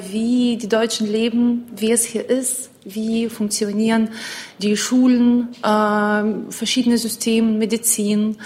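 A woman speaking on a panel in a chatty way, with many fillers. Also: mid-range voice. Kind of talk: panel talk.

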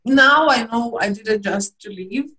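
A woman's voice: on the high side, unhurried, pushed and bright. A young woman from Lithuania, a guest in a candid interview, talking reflectively with hesitant restarts and small laughs.

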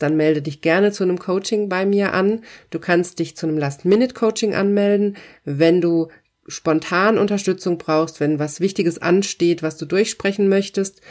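A coach who runs hypnosis sessions gives a self-help talk, speaking straight to the listener in an encouraging, emphatic way with repeated affirmations. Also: mid-range voice. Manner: warm, encouraging second-person address with repeated affirmations; emphatic, pointed phrasing.

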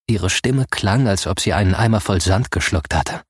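A man narrating a first-person audiobook in a soft, grave storytelling manner. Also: low-pitched, normal speed, slightly rough, no echo, clean studio sound.

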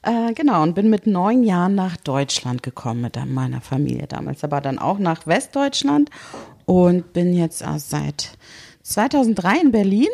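A woman in her thirties, raised in Kazakhstan, talking as a podcast guest in a relaxed way with many fillers. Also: fairly low pitch, moderate pace, vocal fry. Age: 30s. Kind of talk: casual interview conversation. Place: her own apartment.

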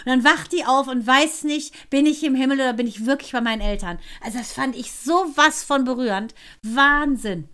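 A woman with a high voice, chatting casually as a podcast co-host. She tells stories with animation and acts out the lines of the people in them. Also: moderate pace, few pauses, sharp tone. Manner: laughing, chatty storyteller who acts out quotes. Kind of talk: casual chat.

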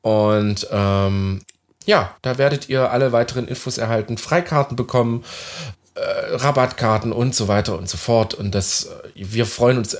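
A man's voice: mid-range voice, normal speed. A man co-hosting a casual podcast, chatty and friendly, addressing the listeners directly and laughing easily. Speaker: podcast co-host.

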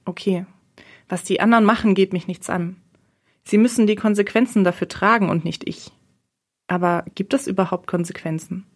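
A woman's voice: mid-range voice, normal speed, close to an everyday voice. A woman voicing a stressed, dutiful young woman in an audiobook, defensive and indignant. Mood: brooding. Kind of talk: audiobook role reading.

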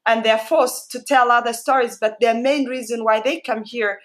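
A woman with an East African accent speaks in a somewhat high-pitched voice. She gives a personal talk as a guest speaker, heartfelt and emphatic, repeating phrases to drive them home. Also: steady tone, moderate pace. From Somalia-born, raised in Kenya.

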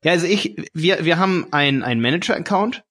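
A man's voice: a little high, animated, quick pace, fairly bright tone. A man on a podcast talking casually, explaining his ideas eagerly with hesitant fillers along the way. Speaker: podcast co-host, ads course seller.

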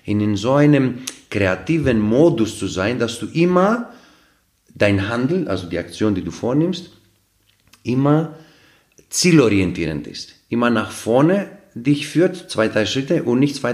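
A man's voice: medium pitch, very animated, a little slow, a little mellow. A man who is not a native speaker, explaining ideas earnestly through everyday examples with many fillers and restarts, as a podcast guest. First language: not German. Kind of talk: casual explanatory talk.

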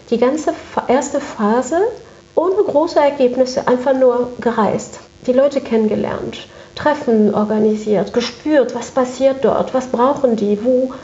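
A woman's voice: sits high, dark tone. A woman speaking as an interview guest, recounting her work conversationally and repeating phrases for emphasis. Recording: echoey room, dull muffled sound.

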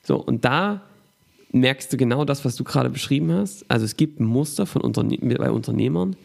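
A man hosts a business podcast, summing up his guest's points and leaning on filler sounds. His middle-pitched voice carries a strong, gravelly vocal fry. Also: lively intonation, brisk, darkish tone. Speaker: podcast host. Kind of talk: conversational interview.

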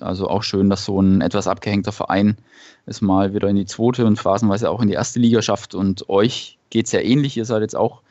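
A man in his thirties speaking as a podcast guest, relaxed and telling stories with some fillers. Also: lowish voice, no echo. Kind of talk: casual interview answers. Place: remote, at a family gathering. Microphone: remote call connection. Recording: dull lo-fi remote call, dry.

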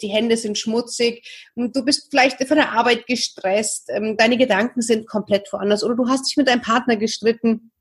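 A woman's voice: fairly high pitch, husky. A woman in her thirties giving a talk to parents, addressing the listener directly with many questions. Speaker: parenting coach. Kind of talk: talk on love languages for parents.

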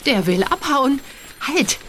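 A woman's voice: medium pitch, very animated, measured pace, a little hiss or hum. A woman playing a power-hungry female agent leader in a comedic audio drama, commanding and accusatory.

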